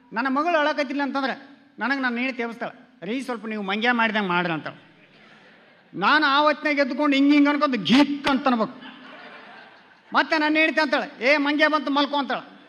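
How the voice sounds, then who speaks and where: High-voiced standup comic in a hall. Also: male voice, bright, forceful tone. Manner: storytelling, acting out quoted dialogue with his wife. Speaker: standup comedian. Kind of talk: standup comedy routine. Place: stage before a live audience.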